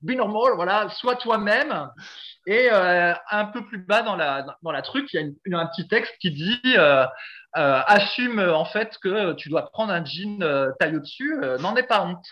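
A talkative man with a high voice hosts a casual podcast, rambling with fillers and breaking into laughter often. The sound is dull and lo-fi. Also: lively intonation, moderate pace. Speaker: podcast host.

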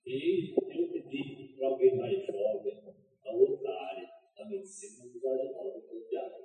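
Animated pastor in an echoing hall. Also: male voice, medium pitch, moderate pace. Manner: animated, storytelling, emphatic swings in loudness. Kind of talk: sermon with personal stories. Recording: echoey church hall from far off.

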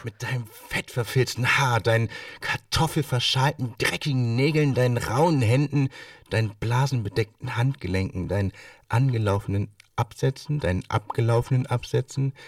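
An actor playing a contemptuous husband in an experimental radio play, reciting insults like a litany, slightly off the mic. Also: male voice, medium pitch, moderate pace, no echo, distant mic, close to an everyday voice. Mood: scornful. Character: contemptuous husband listing his wife's shabby flaws.

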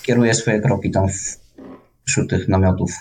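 A man casually role-playing in a tabletop game, describing his actions in a halting way. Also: low voice, fairly even intonation, a little mellow, low-quality recording.

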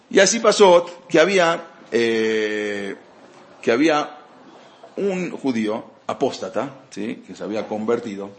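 A man teaching Jewish history in an informal lecture, telling stories conversationally with many fillers and restarts. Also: fairly high pitch. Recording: echoey room.

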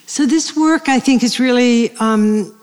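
A woman in her seventies speaking slowly to a live audience, halting and searching, with many pauses and restarts. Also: a little high, a little mellow. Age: 70s. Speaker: speaker on end-of-life care at a public talk. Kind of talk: reflective talk to a live audience. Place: large hall with an audience. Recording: long hall reverb.

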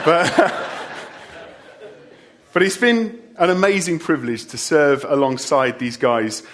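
This middle-aged man, a church leader, preaches his farewell sermon at a church service and jokes with the congregation along the way. His voice is a little high with a fairly bright tone.

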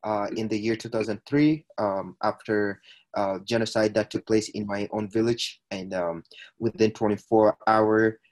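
A man's voice: lowish voice, steady tone, moderate pace, darkish tone, poor audio. A man, a podcast guest recounting his life in a hesitant way, with frequent filler sounds and restarts. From Ethiopia. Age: 20s. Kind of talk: personal storytelling in conversation.

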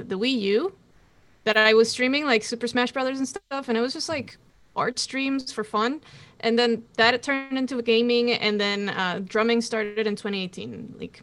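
A woman's voice: a little high, a bit bright. Bubbly woman from Costa Rica. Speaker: guest, Twitch drummer. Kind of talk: casual podcast interview.

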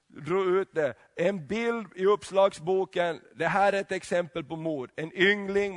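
A man preaching a sermon, halting with many restarts and asking rhetorical questions. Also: sits high.

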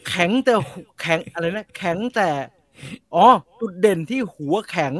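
A man's voice: high-pitched, normal speed, no room sound. A young adult man co-hosting a casual comedic chat, laughing often and reading listener messages aloud. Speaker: podcast co-host.

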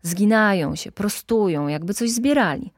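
A brisk, indignant middle-aged activist woman, as a female audiobook reader puts her on, telling her stories with lively emphasis. Her pitch sits in an ordinary middle range. The sound is dry and close. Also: no echo, lightly acted. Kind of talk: audiobook reading.

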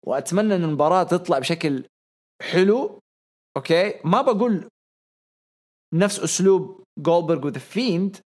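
A young man talks through a podcast episode in a loose, chatty way. He gets worked up and circles back on the same words again and again for emphasis. His voice sits a little on the higher side. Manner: excitable, repeats phrases for emphasis. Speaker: podcast co-host. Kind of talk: casual podcast commentary.

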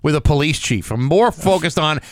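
A man's voice: fairly high pitch, animated, brisk, no room sound. Joking male radio host, dry studio sound. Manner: jokey, rambling with many fillers. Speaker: radio morning show host. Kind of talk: casual morning radio banter. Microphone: studio microphone.

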